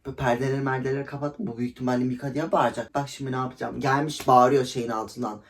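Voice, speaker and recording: A woman's voice: a bass voice, steady tone, very fast. A young woman telling a story in a casual vlog, gossipy and dramatic, acting out quotes with laughter. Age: young adult. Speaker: vlogger.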